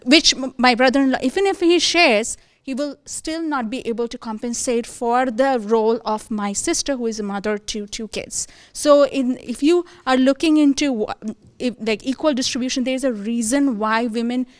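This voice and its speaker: Woman, audience comment, halting, searching for words, somewhat high. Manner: hesitant, many fillers and restarts. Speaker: audience member. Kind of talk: spontaneous comment in a panel discussion. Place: conference room.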